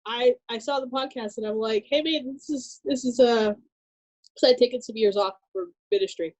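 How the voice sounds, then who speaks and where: A woman from Southern California, in her thirties, tells her personal story as a podcast guest. Her voice sits a little high but sounds mellow and warm, and she talks easily with plenty of "uh"s and small laughs. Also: normal speed, low-quality recording. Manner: relaxed, laughs easily, many fillers. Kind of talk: personal testimony in casual chat.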